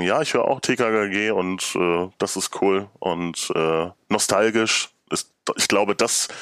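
Low-voiced man in his thirties. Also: fairly bright tone, dry recording, studio quality. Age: 30s. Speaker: podcast guest. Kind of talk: casual chat.

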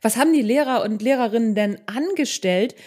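A woman's voice: a little high, lively intonation, fairly quick, a little mellow. A woman hosting a casual interview, speaking in an engaged way, repeating phrases and adding little tags that seek agreement. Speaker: podcast host, interviewer.

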